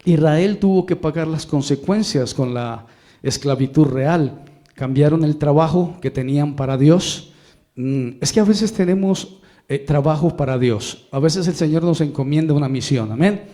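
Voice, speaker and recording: Mellow-voiced Colombian pastor preaching. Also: male voice, a little high, normal speed. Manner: rambling, emphatic, repeats phrases. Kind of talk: sermon.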